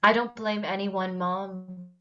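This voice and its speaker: A woman acting as a gentle, patient young daughter in a drama script read, on a dull home recording. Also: mid-range voice, steady tone, slow. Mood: soft, reassuring. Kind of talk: dramatic table read of a screenplay.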